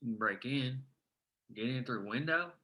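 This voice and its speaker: Very bright, forceful, earnest small-town man played by an actor. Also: mid-range voice, animated, moderate pace. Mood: earnest, determined. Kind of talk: screenplay table read acting.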